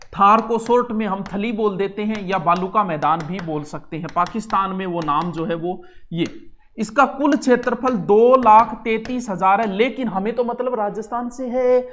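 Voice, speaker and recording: A man's voice: high voice, moderate pace, fairly bright tone, slight background noise. A man with a Rajasthani accent teaching an exam-prep geography lesson, chatty and full of homely local examples.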